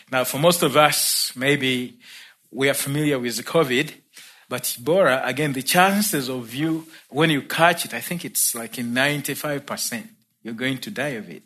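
A man from Uganda with a Ugandan accent, telling his own conversion story in a sermon with easy laughter. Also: mid-range voice. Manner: warm storytelling, laughs between points. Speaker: preacher. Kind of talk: sermon testimony. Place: church.

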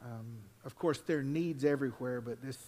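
An older man, a pastor preaching at a pulpit microphone, mixing folksy asides with loud, drawn-out scripture reading. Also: mid-range voice. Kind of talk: sermon. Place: church sanctuary. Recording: long reverb in a church hall.

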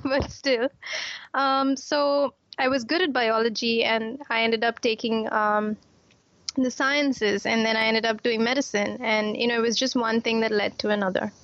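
A woman's voice: on the high side, fairly bright tone, no room sound, muffled recording. A woman from Kuwait, an author and doctor, answering interview questions in a chatty way, with fillers and repeated words.

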